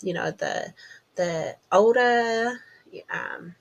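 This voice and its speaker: A woman's voice: on the high side, very slow, gravelly. A woman with a New Zealand accent, chatting casually to camera from her home office as a podcast host, laughing at herself often.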